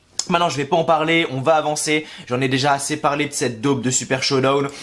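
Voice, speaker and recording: A man talks in an animated tone while noticeable background noise carries on behind him. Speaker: YouTuber, wrestling reviewer. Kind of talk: casual video review. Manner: fast.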